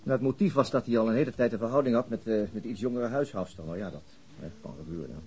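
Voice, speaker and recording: An actor playing a weary, reticent middle-aged police detective in a naturalistic radio drama, speaking haltingly with murmured filler words. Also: male voice, medium pitch, mellow, a little hiss or hum, natural voice. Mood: wry storytelling.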